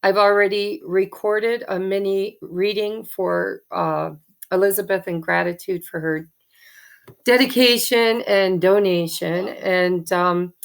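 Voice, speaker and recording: A woman, hoarse from allergies, chatting in a rambling, thankful way as host of a tarot channel, with many ums. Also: medium pitch, fairly even intonation, takes it slowly. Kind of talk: casual chat to viewers.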